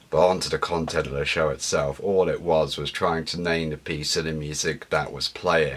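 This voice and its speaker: With a British accent, a man talks in a very deep, low pitch and a monotone, flat delivery, with noticeable background noise behind him. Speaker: vlogger. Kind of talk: vlog monologue. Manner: casual, conversational.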